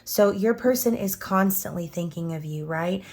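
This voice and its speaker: Woman, hoarse and raspy, giving a chatty, loose tarot reading full of "right?" asides. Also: mid-range voice, normal speed, darkish tone. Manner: chatty, frequent "okay?" and "right?" tags, casual swearing. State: hoarse, scratchy voice. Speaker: tarot reader.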